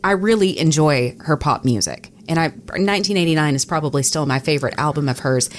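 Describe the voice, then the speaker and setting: An American woman, a podcast co-host and radio personality, casually chats and tells anecdotes in a low, brisk voice. There's slight background noise in the recording.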